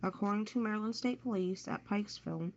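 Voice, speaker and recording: A woman's voice: mid-range voice, fast talker. A woman co-hosting, reading a local newspaper story aloud. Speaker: co-host reading local news stories. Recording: muffled audio with faint noise.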